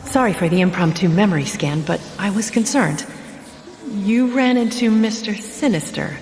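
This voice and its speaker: An actress playing a caring, composed superheroine mentor, concerned and reassuring, in an audio drama. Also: female voice, medium pitch, lively intonation, normal speed, noisy background, close to an everyday voice. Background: music.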